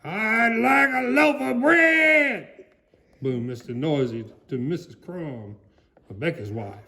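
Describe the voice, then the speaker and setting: A man voicing a folksy, excitable country alligator, giving a theatrical comic storybook reading. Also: high-pitched, takes it slowly, full character voice. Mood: hammy, excited. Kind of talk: dramatic storybook reading, played for comedy.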